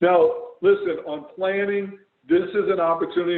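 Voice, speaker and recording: This man talks at a fairly quick tempo. His pitch moves up and down in an ordinary way. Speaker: consultant. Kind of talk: webinar presentation. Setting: virtual webinar. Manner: fast.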